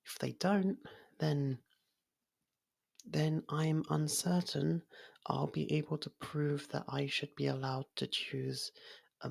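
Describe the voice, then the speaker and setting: A performer voicing a gentle, lovestruck faerie in an intimate ASMR roleplay, breathy and half-whispered, speaking in a hesitant, halting way. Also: medium pitch, full character voice. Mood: anxious yearning. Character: soft-spoken, lovestruck young faerie royal, shy, possessive.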